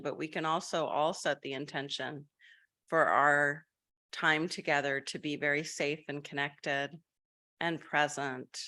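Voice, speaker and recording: A meditation guide leads a group session over what sounds like a video call, her low voice carrying a crisp, bright edge. She drifts gently from thought to thought, with soft fillers and restarts.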